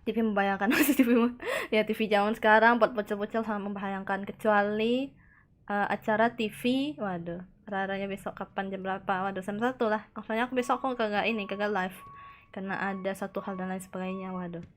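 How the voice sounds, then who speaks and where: A woman streaming a horror game live, chatting excitedly, reacting aloud and answering her chat, tossing in Japanese words. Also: mid-range voice, a little fast. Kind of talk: live gameplay commentary.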